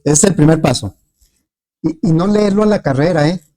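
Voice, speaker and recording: A man's voice: fairly high pitch, brisk, warm tone. A man teaching a class, patiently checking in with students through frequent questions. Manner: patient, with many fillers and restarts. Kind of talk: classroom lecture.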